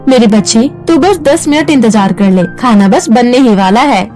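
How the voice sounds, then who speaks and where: A woman's voice: moderate pace, darkish tone, faint music behind, lightly acted. A woman voicing a harsh, bossy stepmother in a cartoon story, scolding sharply. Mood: doting. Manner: shrill, bossy, cruel scolding.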